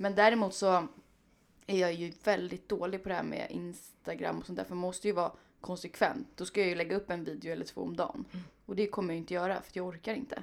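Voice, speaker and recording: A woman talks at a fairly quick pace. Her voice carries vocal fry. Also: medium pitch for a woman, ordinary pitch variation. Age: 30s. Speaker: podcast co-host. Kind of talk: casual chat.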